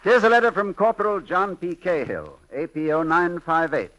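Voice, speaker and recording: A man hosting a 1940s radio show, reading letters in a brisk, jokey announcer's delivery. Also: sits high, expressive, a loud crowd, very noisy.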